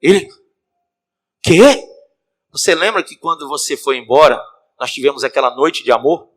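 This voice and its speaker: Man, bishop, Cearense Brazilian Portuguese accent, animated story sermon, talks straight to the congregation, church. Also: mid-range voice, a little fast. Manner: animated, addresses the congregation directly. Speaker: bishop, preacher.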